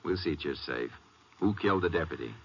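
An actor playing a stern, steady Texas Ranger in a 1950s western radio drama, speaking firmly and with clipped authority. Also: male voice, extremely low pitch, fast, vocal fry, slight background noise, full character voice. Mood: calm, probing. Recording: dull old radio recording, reverberant.

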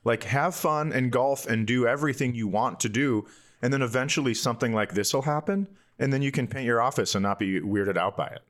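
A man's voice: medium pitch, fairly quick, fairly bright tone. A man co-hosting a podcast in a casual, comedic chatting style. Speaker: podcast co-host.

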